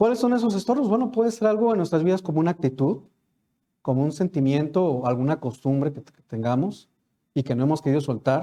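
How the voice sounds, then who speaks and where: A man speaks at a very fast pace with a fairly high pitch and a dark, mellow tone. His loudness swings widely. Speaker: preacher. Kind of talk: sermon. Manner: halting.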